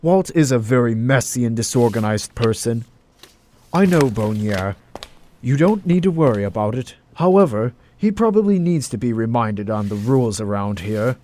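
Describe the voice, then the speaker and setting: A man's voice: medium pitch, animated, moderate pace, dark tone, slight background noise, lightly acted. A man playing a wistful, secretive doctor in an audio drama, theatrical and evasive, with an air of authority. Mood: composed.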